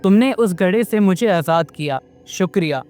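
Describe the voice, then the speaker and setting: A friendly male jinn, loyal and earnest, as a storyteller voices him. His voice sits fairly high for a man, with soft music under it. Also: animated, moderate pace.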